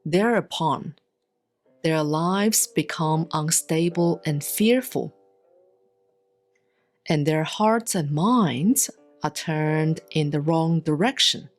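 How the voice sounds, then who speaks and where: Very slow, low-voiced woman reading scripture. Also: faint music behind. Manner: measured, deliberate phrasing with frequent pauses. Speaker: sutra reader, Buddhist nun.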